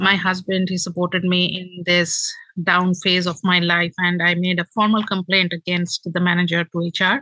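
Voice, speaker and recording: This woman's tone is bright and sharp, delivered in a monotone, flat intonation at a moderate pace. The sound is dry and close, with no echo. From India, Kolkata. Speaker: refugee support program manager. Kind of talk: interview. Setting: video call.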